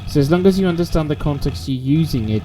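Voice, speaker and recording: A man's voice: fairly high pitch, expressive, fast talker, background noise. A young man from Poland with a Polish accent, chatting casually while streaming a game, thinking aloud with frequent restarts. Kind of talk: casual gaming stream chat. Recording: game music playing behind.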